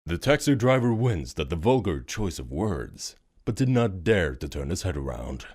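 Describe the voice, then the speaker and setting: A man narrating a scripted audio drama story in a dramatic, expressive storytelling manner. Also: low voice, moderate pace, slightly rough. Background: music.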